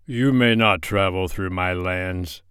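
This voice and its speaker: A man's voice: deep voice, slow, fairly bright tone, clear, resonant tone, dry recording, studio quality. A man voicing an indignant, imperious king in a children's storybook, giving stern commands.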